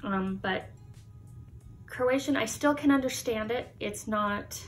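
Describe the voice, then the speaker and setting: A young woman from the United States chatting casually to the camera in her vlog, lively and laughing often. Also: fairly high pitch, slow, faint music behind. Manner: chatty, laughs often, animated hand gestures. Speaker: YouTuber. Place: Halloween-decorated room indoors.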